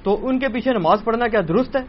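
A man's voice: very high voice, highs cut off. A man reading out audience questions at a religious Q&A session in a plain, matter-of-fact way. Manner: plain, reads questions aloud.

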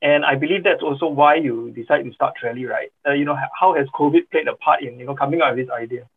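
Halting man hosting over a phone line. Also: on the high side, slight background noise. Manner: halting, frequent "uh" and "you know". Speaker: podcast host. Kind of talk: hosting a podcast interview. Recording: phone-like line with faint music.

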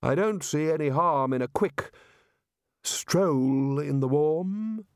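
A man voicing an older male wizard who is cold and pleads wistfully for some warmth. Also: a little high, expressive, slow, clear, resonant tone, dry recording, clean studio sound, pitched above the performer's own voice. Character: chilly older male wizard craving sunshine.

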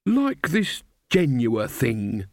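A man's voice: mid-range voice, huge pitch swings, extremely slow, no echo, studio quality, exaggerated voice. A man voicing a mild, cheerful old fairy godmother woman who chats and rambles. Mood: mild, chatty.

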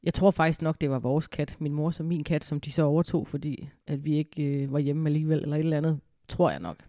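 A woman's voice: low voice, mellow, no echo, studio quality. A woman co-hosting a podcast in casual chat, upbeat and rambling with fillers, with a cold, at home in a living room. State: has a cold. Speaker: podcast co-host.

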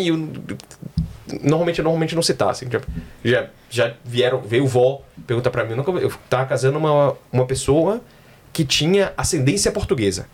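A man's voice: on the high side, slightly rough. A man who works as a wedding celebrant, chatting casually on a podcast and telling stories with jokes and swearing. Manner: storytelling with joking asides and swearing. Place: in Australia.

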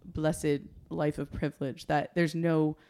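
A woman's voice: deep voice, flat delivery, unhurried, mellow. A young woman, a comedian guest, chatting casually on a podcast, laughing often and trailing off with filler words.

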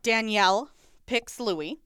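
A woman's voice: fairly high pitch, takes it slowly, a bit bright, clean tone, no echo, clean studio sound. A woman hosting a podcast, giggling often as she casually recaps a reality show. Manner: giggly, frequent laughing. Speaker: podcast host.

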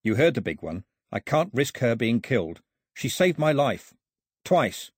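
A man voicing an earnest, protective young male islander in a storybook, solemn and measured. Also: medium pitch, very animated, slightly rough, no echo, clean studio sound. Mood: earnest, resolved.

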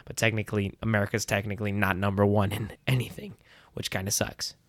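A man's voice: on the low side, level tone, quick pace, no room sound. A young American man in casual conversation, joking and sarcastic, often laughing as he talks. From United States. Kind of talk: casual chat.

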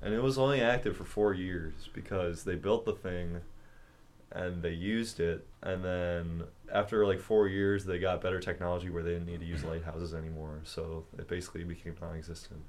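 A man with a very low-pitched voice in a relaxed, casual conversation. He thinks aloud as he talks and fills his sentences with "like" and "I feel like". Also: normal speed. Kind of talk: casual chat.

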